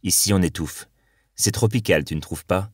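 A man's voice: low-pitched, normal speed, breathy edge, dry recording, clean studio sound. A man reading a tender woman in love.

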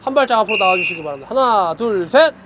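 A man's voice: high-pitched, animated, fast, noisy background. A man working as a military-style training instructor, giving formal, commanding drill orders to trainees. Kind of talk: barked drill commands to trainees on a variety show.

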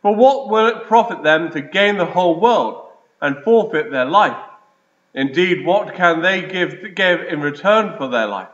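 A man, a priest, reading the gospel and preaching in a measured liturgical way, his voice ringing with the echo of a large church. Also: sits high, animated, a bit bright. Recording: echoey church, dull lo-fi sound.

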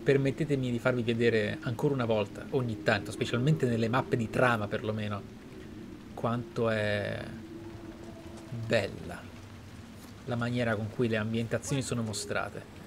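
A man's voice: mid-range voice, fairly even intonation, normal speed, noisy background. An Italian man hosting a video game playthrough, reading and commenting in a theatrical, formally phrased way. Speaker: gaming video host.

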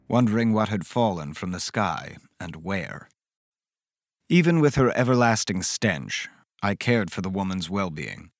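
A haunted, caring man telling his own horror story. His voice is low, and he speaks with measured drama and reflection. Music plays softly beneath the narration. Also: exaggerated voice. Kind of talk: first-person horror audio drama narration. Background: music underneath.

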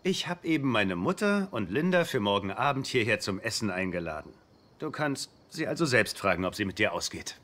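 An actor playing an easygoing, reasonable housemate in a dubbed sitcom, with a dry, teasing manner. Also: male voice, on the low side, big pitch swings, a little fast, fairly bright tone. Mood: apologetic. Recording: noisy sitcom audio with clicks.

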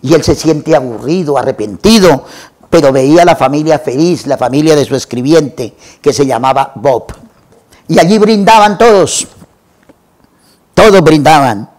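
A man retelling a classic novel for a literature program, in a measured way and lingering over lists. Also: on the high side, lively intonation, darkish tone. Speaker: literature presenter.

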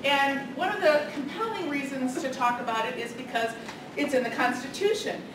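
Loud woman lecturing in an echoey room. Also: sits high, moderate pace. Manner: loud, energetic, chatty. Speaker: political science professor. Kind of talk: public lecture. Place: large carpeted meeting room, indoors. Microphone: room camera from the back. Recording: echoey room from far off, noisy.

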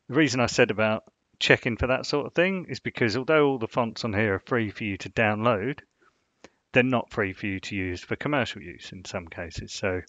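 Man, low voice, casual tutorial walkthrough, rambling, dull dry lo-fi recording. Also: a bit bright, no echo. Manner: rambling, full of "you know" fillers. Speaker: design channel host. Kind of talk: casual screen-share tutorial.

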